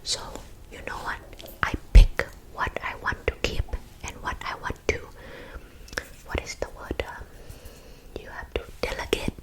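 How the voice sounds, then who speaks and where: A woman performs a female counselor in a whispered role-play. The voice is a steady, breathy whisper with an East Asian accent. She gives blunt, encouraging advice and keeps checking that the listener follows. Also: measured pace, lightly acted, poor audio. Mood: frank, reassuring.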